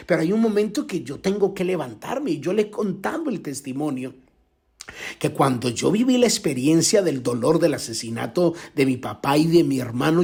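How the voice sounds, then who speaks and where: An older male pastor delivering a devotional sermon, with impassioned preaching that breaks into sudden high, drawn-out cries. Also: darkish tone, slightly rough.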